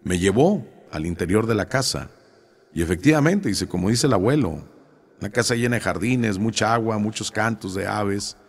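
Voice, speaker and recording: A man's voice: fairly low pitch, expressive, normal speed, husky. A middle-aged man, telling stories conversationally and recounting talks with people, with frequent fillers. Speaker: storyteller. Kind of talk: casual storytelling to an audience.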